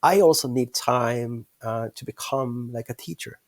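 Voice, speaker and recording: A man's voice: medium pitch, measured pace, no room sound. A man in his fifties with a Norwegian accent, a monk speaking as a guest, hesitant and searching for words, often chuckling. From western Norway. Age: 50s. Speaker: guest, Buddhist monk and teacher. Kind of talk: casual interview chat.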